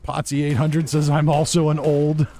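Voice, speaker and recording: A forty-year-old man with a slightly high, dark-toned voice speaks at a moderate pace with completely flat delivery. He's a game livestreamer, casually and good-humouredly reading viewer comments while he plays, with video game sounds and gunfire behind his voice.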